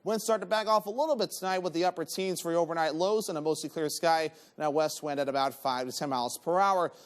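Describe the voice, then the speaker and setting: A man's voice: fairly high pitch, quick pace, smooth. A man presenting an ad-libbed TV weather forecast.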